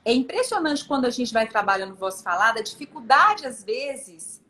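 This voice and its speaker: A woman's voice: a little high, very animated, moderate pace, sharp tone. A woman from Brazil, a voice coach, explaining vocal work in an encouraging, casual teaching chat. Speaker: voice coach hosting a live chat.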